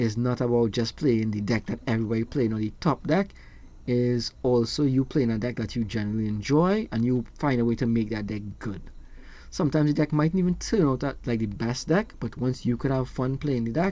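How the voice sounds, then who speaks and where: A man's medium-pitched, sing-song voice with a Trinidadian accent, a dark, mellow tone, ordinary pitch variation and a fairly quick pace. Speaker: gaming YouTuber. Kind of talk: casual channel intro monologue. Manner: sing-song intonation.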